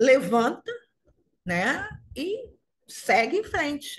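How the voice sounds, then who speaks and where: A woman's voice swings very widely in pitch as she speaks. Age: 60s. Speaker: spiritist lecturer. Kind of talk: religious talk.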